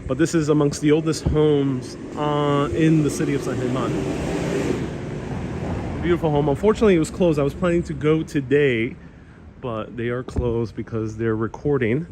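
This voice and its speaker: A man from Puerto Rico raised in New York, with a Queens Hispanic accent and Spanish as his first language, hosting a relaxed live walking tour and chatting with viewers. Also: medium pitch. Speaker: walking tour livestream host. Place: outdoors on a town street with passing traffic. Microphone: phone-mounted mic while walking. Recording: noisy outdoor street recording.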